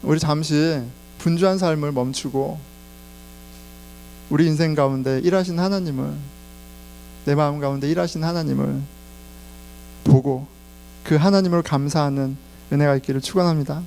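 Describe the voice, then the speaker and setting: A man's voice: a little high, steady tone, moderate pace, vocal fry, pauses often, darkish tone, slight background noise. A middle-aged man preaching a sermon in Korean, telling personal stories and laughing along the way. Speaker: pastor.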